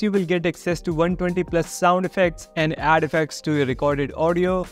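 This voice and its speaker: A young man hosting a scripted software review to camera, upbeat and friendly, walking through each step plainly. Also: on the high side. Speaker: tech reviewer, channel host. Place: dim home studio room, indoors.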